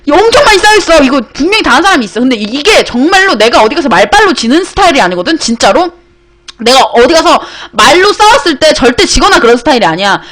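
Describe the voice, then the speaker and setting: A young woman streamer telling a story to her viewers in a casual, animated way, swearing freely and breaking into loud bursts. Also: high voice, quick pace. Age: young adult. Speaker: internet broadcaster.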